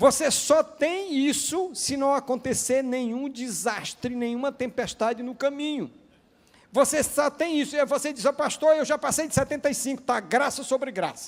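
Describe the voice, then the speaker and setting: A man speaks at an extremely high pitch. His pitch variation is ordinary, and his pace is moderate. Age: 60s. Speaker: pastor. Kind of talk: sermon.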